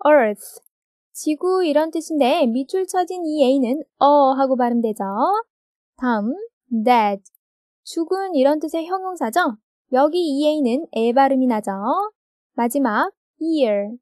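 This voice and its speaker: 차분하고 높은 목소리의 여성 영어 강사. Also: female voice, high-pitched, a little mellow, no room sound, studio quality. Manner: patient, explains step by step, asks rhetorical questions. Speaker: English grammar teacher. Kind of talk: recorded video lesson.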